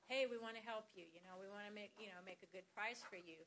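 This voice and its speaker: A woman's voice: medium pitch, fast, a bit bright, slight background noise. A woman presenting slides at a farm workshop, talking conversationally with many fillers and restarts.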